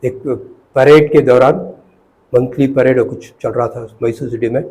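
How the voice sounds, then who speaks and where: An older retired professor, reminiscing in an interview, halting and repeating words, mixing in English phrases. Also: male voice, medium pitch, fairly even intonation, a little mellow, low-quality recording.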